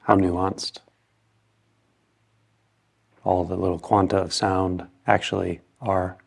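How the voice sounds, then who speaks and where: Male meditation guide, low and steady with little pitch movement, calm short phrases and long pauses. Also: gravelly, slightly rough.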